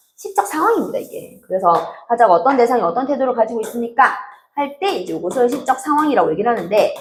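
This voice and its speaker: Speaking at a very fast pace in audible room echo, a woman's high pitch swings very widely. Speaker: Korean literature teacher. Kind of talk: lecture. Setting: recorded class video with assistant present.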